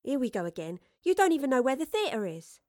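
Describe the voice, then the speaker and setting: Woman doing a cheeky young lass, blunt and nosy, pitched up, audiobook style. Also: big pitch swings, a little fast, darkish tone, no echo, studio quality. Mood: impatient, challenging. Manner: blunt, colloquial, challenging. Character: young streetwise Elizabethan woman, defiant, blunt and inquisitive. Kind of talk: acted audiobook dialogue.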